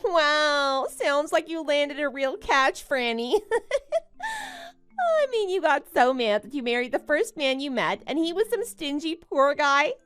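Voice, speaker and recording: A woman's voice: high voice, expressive, a little slow, hardly any pauses, fairly bright tone, faint music behind. A woman playing a smug, boastful young bride in a melodramatic story, taunting and condescending as she exclaims. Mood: gloating, taunting. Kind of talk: melodramatic animated-story voice acting.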